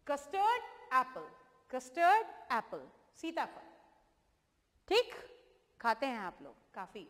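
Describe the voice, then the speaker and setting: Woman teacher, high pitch, spells words letter by letter, asks questions, long reverb. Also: wildly swooping pitch, slow, fairly bright tone. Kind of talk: spelling out and naming fruits for students.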